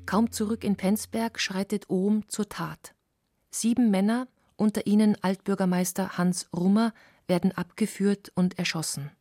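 A woman narrating a historical documentary in a measured, sober scripted voice. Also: medium pitch, steady tone, warm tone, no echo, clean studio sound.

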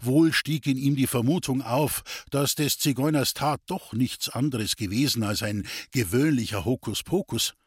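A man narrating a literary story in an expressive storytelling read. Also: medium pitch, moderate pace, few pauses, slightly rough, no echo, studio quality. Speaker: audiobook narrator.

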